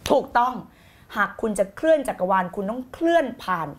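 A woman with a high, bright voice coaches her live-stream audience with fiery energy. She hammers her points home by repeating them and tosses in the odd English word and blunt slang. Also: fairly quick. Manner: energetic and emphatic, repeats key phrases, urges viewers to shout back. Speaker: law of attraction coach. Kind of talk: live-streamed motivational teaching.

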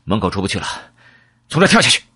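A man voicing a cocky young male gunman who barks quick, brash orders in an audiobook. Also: lowish voice, very animated, sharp tone, slightly rough, no room sound, studio quality, heavily acted. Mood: urgent.

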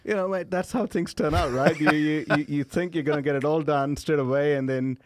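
A man from Liverpool, a startup founder talking frankly on a casual podcast panel, with halting restarts and laughs at himself. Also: fairly high pitch, fairly even intonation, over a noisy crowd. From England (Liverpool).

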